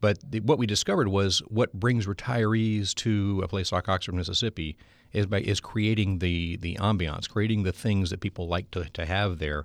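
On a very clean recording with a silent background, a man speaks at a moderate pace with hardly any pauses, using a fairly low pitch and ordinary pitch variation. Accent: Southern US. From Louisiana. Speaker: economic development executive. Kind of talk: interview. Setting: studio.

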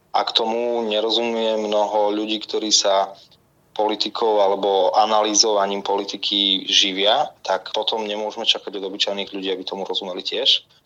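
With noticeable background noise behind him, a man speaks at a moderate pace in a fairly low pitch and a flat, monotone intonation. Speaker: political scientist. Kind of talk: interview.

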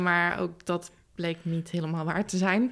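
A woman speaks in a fairly low, flat monotone. The recording is very clean, with a silent background. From Germany. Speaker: podcast guest talking about her dating life. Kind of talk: casual interview. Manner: hesitant, many fillers.

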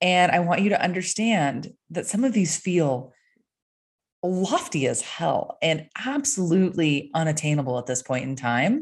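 Against a quiet background, a woman with a fairly low pitch and a somewhat breathy voice speaks at a fairly slow pace, her pitch swinging very widely. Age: 30s. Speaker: finance podcast host. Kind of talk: solo podcast monologue.

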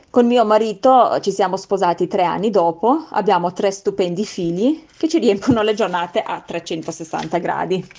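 At a fairly slow pace with hardly any pauses, a woman speaks at medium pitch with lively intonation. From Slovenia. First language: Slovenian (speaking Italian). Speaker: marathon runner and mother. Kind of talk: radio interview monologue.

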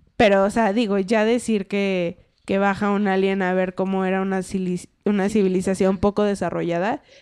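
In a Mexican accent, a woman speaks at a medium pitch with monotone, flat intonation. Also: moderate pace. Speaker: podcast co-host. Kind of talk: casual chat.

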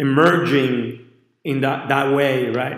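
Speaking at a fairly slow pace, a man with a fairly high pitch is heard with audible room echo. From Mexico. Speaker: architect. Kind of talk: interview. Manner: halting.

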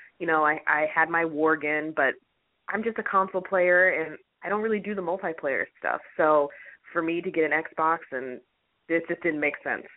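Speaking at a moderate pace, a woman with an ordinary speaking voice keeps her intonation fairly even at a fairly low pitch. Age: 30s. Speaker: adult model and gamer. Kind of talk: casual chat.

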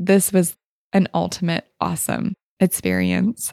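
A woman speaks fairly slowly in an animated, warm tone. The sound is dry and close, with no echo. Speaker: animal communication podcast host and yoga teacher. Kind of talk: solo podcast monologue, storytelling. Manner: animated, laughs often, warm; calm, soothing, heart-centered.

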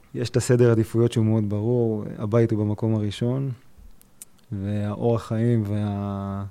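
A man speaks at a medium pitch. His intonation stays monotone and flat. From Israel, Rishon LeZion. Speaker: fitness instructor at a pre-army academy. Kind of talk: interview, personal story.

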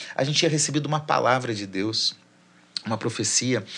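A man has an unremarkable speaking voice. He talks at a moderate pace. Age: 40s. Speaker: pastor and theologian. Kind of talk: testimony.

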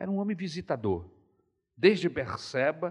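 Pitch swinging very widely, a man speaks at a fairly slow pace. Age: 60s. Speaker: preacher. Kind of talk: sermon.

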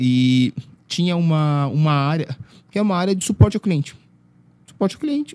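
This man talks very fast with lively intonation. His voice is fairly high, with a dark, mellow tone. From Brazil, Sorocaba (São Paulo interior). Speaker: businessman. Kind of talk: casual chat.

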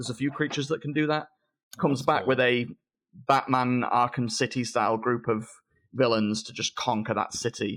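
A man with a normal speaking voice talks at a fairly quick pace and a medium pitch with fairly even intonation, on a very clean recording with a silent background. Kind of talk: casual chat with product news segment.

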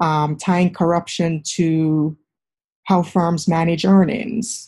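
Very slow and somewhat breathy, a woman speaks with a dark, mellow tone, fairly low pitch and fairly even intonation. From Jamaica. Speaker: accounting professor. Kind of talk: interview. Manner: hesitant, with repetitions.

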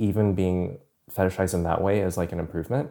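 A very clean recording with a silent background of a man with an American accent. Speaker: author. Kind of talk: casual interview chat. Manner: animated, enthusiastic.

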